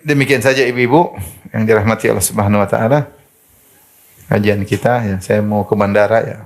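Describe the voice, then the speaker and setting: A man's voice: mid-range voice, slight background noise. A man preaching an Islamic sermon to women, telling stories and mimicking the people he quotes. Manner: animated storytelling, mimics quoted speakers.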